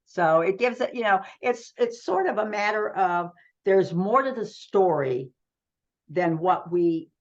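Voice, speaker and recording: Her mid-range voice moves unhurriedly over dull-sounding audio. This middle-aged American woman, publisher of a radio trade magazine, earnestly explains things as a guest in a conversational interview.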